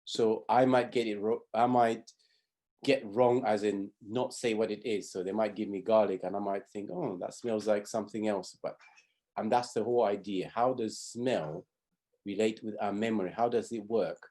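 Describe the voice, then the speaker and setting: Low, mellow-voiced man teaching a class. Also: steady tone, normal speed. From Zambia. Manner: explanatory, repeats and restarts phrases. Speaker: pathfinder honour instructor. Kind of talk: teaching a class over video.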